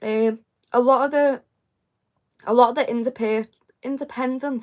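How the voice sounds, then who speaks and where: In a Liverpool accent, a woman speaks at a fairly slow pace. Her intonation stays fairly even. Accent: Liverpool (Scouse). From Liverpool, England. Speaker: football fan vlogger. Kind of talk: live stream chat reading comments. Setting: live stream.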